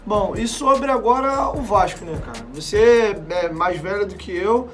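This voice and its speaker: Young man, 20s, from Brazil, very high voice, interviewer, long rambling questions. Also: expressive, a little slow, over music. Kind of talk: casual interview.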